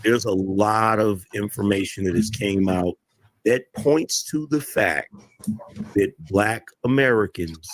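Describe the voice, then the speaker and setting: A man's voice: on the low side, slow, dry recording. Insistent man, dry close sound. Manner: insistent, emphatic, repeats himself. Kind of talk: heated panel debate.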